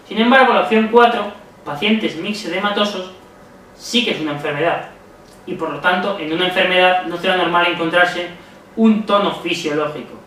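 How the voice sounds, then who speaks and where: A man's voice: high-pitched, pushed and bright. A man with a Spain Spanish accent giving a methodical exam-strategy lesson as a medical exam tutor, often checking in with listeners. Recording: very echoey room, voice far from mic, faint noise.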